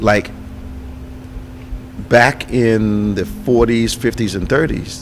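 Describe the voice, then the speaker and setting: A man speaks at a very slow pace with long, frequent pauses, his pitch fairly low and its variation ordinary. Noticeable background noise runs under his voice. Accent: American. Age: 70s. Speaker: pastor and radio talk show host. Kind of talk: radio talk show discussion.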